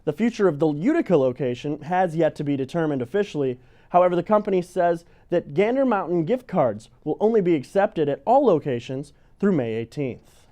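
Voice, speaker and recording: A man's voice: on the high side, animated, a little fast, mellow. A man reading scripted local news stories as a presenter.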